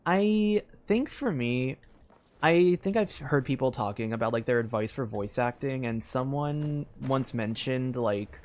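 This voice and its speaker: A man's voice: medium pitch, animated, a little slow, darkish tone. A man chatting casually as a game streamer, explaining things in a hesitant, rambling way full of fillers. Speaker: streamer playing a game and voicing its dialogue. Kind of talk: casual livestream chat. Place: room at home.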